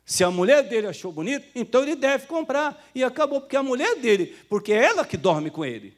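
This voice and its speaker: A man's voice: very high-pitched, sing-song, fast talker. A man with a Brazilian Portuguese accent preaching a sermon as pastor, talking to the congregation like brothers and acting out the people he quotes. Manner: conversational preaching, calls listeners "irmão", acts out quoted voices.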